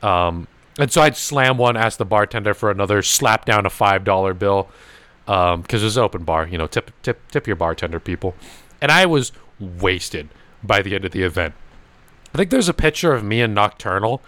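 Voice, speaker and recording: A man's voice: on the low side, moderate pace, no room sound. A young man hosting a podcast, telling a rambling story with lots of swearing and laughter. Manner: swearing, laughing, animated anecdotes. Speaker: podcast host. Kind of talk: casual storytelling chat.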